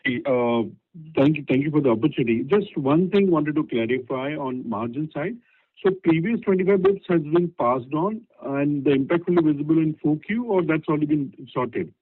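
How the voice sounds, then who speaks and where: Husky man on a phone line. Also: a little high, expressive, moderate pace. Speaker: analyst asking questions. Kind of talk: question on earnings call. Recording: rough, muffled phone line.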